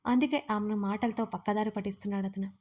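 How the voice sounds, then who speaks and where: Woman narrating a story, mellow voice. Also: mid-range voice, fairly even intonation, fast talker.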